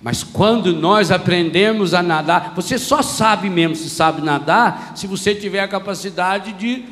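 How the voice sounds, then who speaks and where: In a church hall full of reverb, a Brazilian man speaking with a Brazilian Portuguese accent gives a funny, spirited sermon as a priest and imitates different voices. His pitch sits high and his delivery is a little slow.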